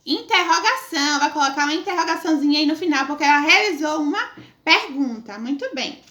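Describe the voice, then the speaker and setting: A woman's voice: sits high, lively intonation, fairly quick, pushed and bright. A woman teacher from Northeast Brazil, talking affectionately to young children in a video lesson and stretching her words for them. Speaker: primary school teacher.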